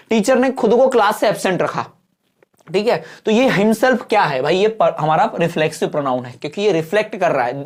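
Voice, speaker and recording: A man teaching an online exam-prep grammar class, checking in often and spelling out English examples slowly, word by word. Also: high voice.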